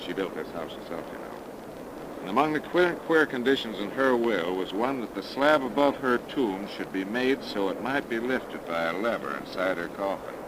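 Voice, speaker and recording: An actor playing a steady, wry investigator in a 1930s radio horror drama, explaining in a calm, folksy way. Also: male voice, fairly low pitch, normal speed, natural voice. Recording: hissy 1930s radio recording.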